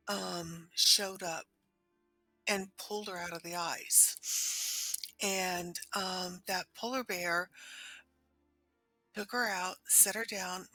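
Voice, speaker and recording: A woman's voice: lowish voice, bright, forceful tone, dry recording, poor audio. A woman playing a tabletop roleplaying game, telling a story in character in an earnest, hesitant way. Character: warrior woman telling of her mother.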